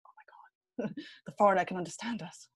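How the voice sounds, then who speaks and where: A young woman from England talking as a podcast guest in a relaxed interview, hesitating with ums and restarts and laughing often. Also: mid-range voice, brisk, slightly rough.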